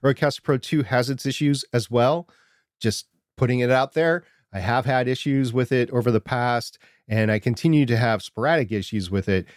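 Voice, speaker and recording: A man with a quiet voice co-hosting a podcast from his home studio, talking through gear in a measured way. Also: medium pitch, no echo. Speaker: podcast co-host. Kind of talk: casual tech chat.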